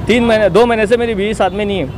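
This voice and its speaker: High male voice, young adult, Hyderabadi accent, insistent and repetitive, personal testimony, faint street noise. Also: fairly even intonation, rapid-fire. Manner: insistent, repetitive, self-justifying. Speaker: interviewee giving a statement to local news. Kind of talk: spoken personal testimony to reporters. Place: outdoors beside a street wall. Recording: outdoor street noise behind.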